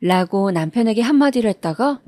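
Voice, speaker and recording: A woman reading a first-person true-life story in a steady, even storytelling manner, recorded on a close studio mic. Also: mid-range voice, fairly quick, no echo.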